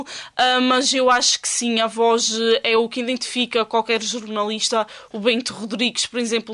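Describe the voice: Fairly high-pitched and bright, sharp in tone, a woman speaks with an Azorean accent. Her delivery is monotone and flat at a moderate pace. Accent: Azorean Portuguese, Terceira.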